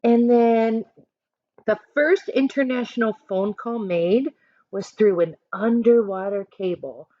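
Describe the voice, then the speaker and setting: A woman teacher reading aloud to children, adding chatty instructive asides in an expressive manner. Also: a little high, takes it slowly, no room sound, muffled recording. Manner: expressive, instructive, acts out short examples.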